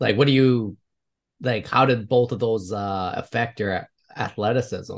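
A man talks at a fairly slow pace in a fairly low pitch. He has a plain, everyday voice. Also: quiet background. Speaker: podcast host and comedian. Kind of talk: casual interview chat.

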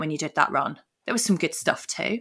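A woman with a British accent, warm and enthusiastic, bright and sharp in tone, at a fairly quick pace. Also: very clean recording, silent background. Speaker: sports psychologist. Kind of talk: interview chat. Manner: warm, enthusiastic.

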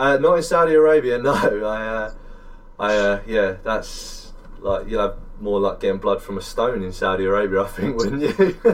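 A man talks at a moderate pace. He speaks with a British accent. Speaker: podcast host. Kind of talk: casual chat.

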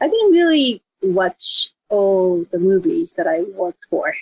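Words come at a very slow pace in a Japanese accent. The sound is dry and close with no echo. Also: woman. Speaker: storyboard artist and martial artist. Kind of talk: casual interview chat.

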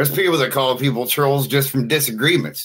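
A man talks at a medium pitch with vocal fry. His tone is bright and sharp. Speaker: gamer and online content creator. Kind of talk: casual chat. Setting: video call.

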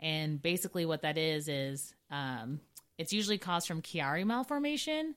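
With a Michigan accent, a woman speaks at a fairly quick pace in a very deep, low voice. The recording is very clean, with a silent background. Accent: Michigan, US Midwest. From Detroit, Michigan. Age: 30s. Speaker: hairstylist. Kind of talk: casual interview chat.

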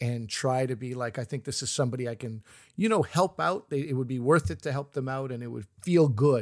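In a Canadian accent, a man with medium pitch and an unremarkable speaking voice talks at a fairly quick pace with lively intonation. The recording is very clean with a silent background. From Quebec, Montreal. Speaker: stand-up comedian and radio host. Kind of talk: casual chat.

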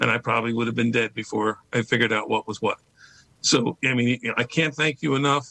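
Recorded with a dry, close sound and no echo, a man talks at a fairly quick pace in a medium pitch, his tone bright and sharp and his pitch variation ordinary. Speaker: long term care insurance specialist. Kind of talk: panel discussion.

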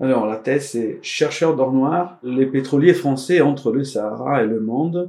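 Speaking with an Italian accent, a man has a dark, mellow tone. He goes at a fairly slow pace with hardly any pauses. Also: medium pitch for a man, ordinary pitch variation. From Italy, Venetian mainland near Venice. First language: Italian (speaking French). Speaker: archivist and historian. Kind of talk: interview. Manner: hesitant, many fillers.

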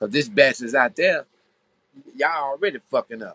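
With a bright, sharp and animated tone, a man speaks in a dry, close sound with no echo. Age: 50s. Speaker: podcast host. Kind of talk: casual monologue.

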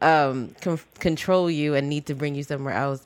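Speech comes at a moderate pace in a very clean recording with a silent background. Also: woman. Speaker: podcast host. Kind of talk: interview. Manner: soft-spoken.

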